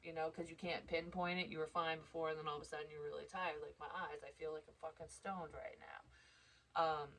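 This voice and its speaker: A woman's voice: low-pitched, level tone, brisk, fairly bright tone, a little hiss or hum, low-quality recording. A woman giving a casual psychic reading, stuffed up and congested, rambling and interrupting herself. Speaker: psychic tarot reader.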